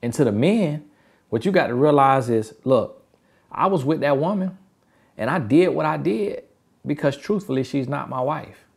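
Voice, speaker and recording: A man's voice: medium pitch, lively intonation, normal speed, creaky, slightly rough. A man with a country Southern accent giving relationship advice in an emphatic, repetitive motivational style. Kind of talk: motivational talk.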